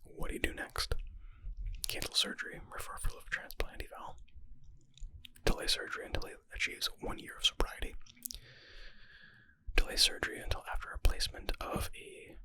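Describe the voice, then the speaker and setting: A man whispering in a breathy, unvoiced ASMR style, reading aloud and adding informal, thinking-aloud asides. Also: normal speed, pauses often, sharp tone. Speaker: ASMR creator reading and answering medical exam questions.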